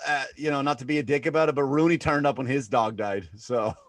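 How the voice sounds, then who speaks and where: A man's voice: medium pitch, fast, dry recording. A man co-hosting a podcast in casual chat, teasing the others and laughing along. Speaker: podcast co-host.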